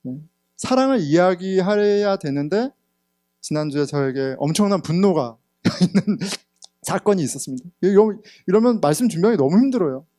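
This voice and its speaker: A man in his thirties preaching a sermon as pastor, telling a personal story candidly, getting loud at times and hushed at others. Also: high voice, lively intonation, normal speed, no echo, studio quality. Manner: candid storytelling, sometimes laughing, swings between loud and hushed. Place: church sanctuary.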